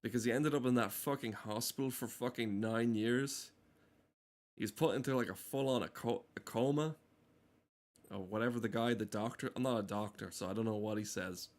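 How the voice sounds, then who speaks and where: In a fairly low voice at normal speed, this man gives loose, rambling livestream commentary while gaming, cursing frequently and delivering rants with exaggerated seriousness.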